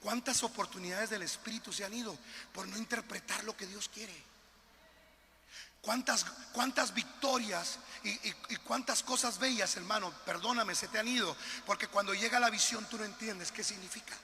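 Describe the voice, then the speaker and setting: A man preaching a sermon as pastor, with a northern Mexican accent, passionate and swinging between quiet asides and shouted appeals. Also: sits high, moderate pace, long reverb tail.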